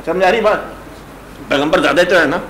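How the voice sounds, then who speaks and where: A man's voice: a little high, fairly bright tone, slight background noise. Man giving an echoey spiritual talk. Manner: keeps checking if listeners have understood. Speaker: spiritual teacher addressing a gathering. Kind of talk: religious discourse, conversational storytelling. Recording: echoey room with faint ambience.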